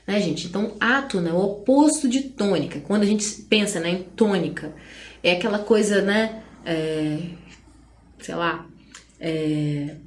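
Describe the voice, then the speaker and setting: A Brazilian woman teacher giving an online grammar lesson in a chatty way, often tagging lines with "né?" and slowing down to stress syllables. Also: medium pitch. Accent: Brazilian Portuguese. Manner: chatty, frequent "né?" and "gente" asides. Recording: roomy echo.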